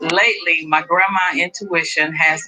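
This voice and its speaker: Music plays in the background as a woman talks. Her pitch is fairly low and her pace moderate. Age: 60s. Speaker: worried grandmother. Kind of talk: talk show testimony.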